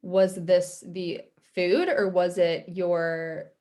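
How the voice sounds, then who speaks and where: A woman in her mid-twenties hosts an interview podcast and explains things from her dietitian work. She sounds friendly and affirming. Her voice sits slightly low for a woman. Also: flat delivery, drawn-out words, warm tone. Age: 20s. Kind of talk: interview conversation.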